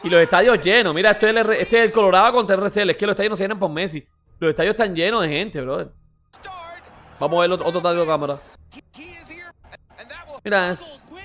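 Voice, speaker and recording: Reaction host, male, high-pitched and quick, mocking and rambling with slang. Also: a bit bright. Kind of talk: excited casual reaction commentary.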